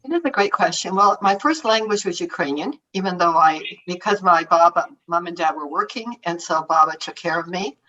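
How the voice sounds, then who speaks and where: Lower-voiced woman on a distant, muffled line. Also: fairly quick, few pauses. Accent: Canadian English. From Canada. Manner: warm, laughs often, trails off mid-sentence. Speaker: author answering audience questions. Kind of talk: casual conversational answers. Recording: distant, dull lo-fi remote audio.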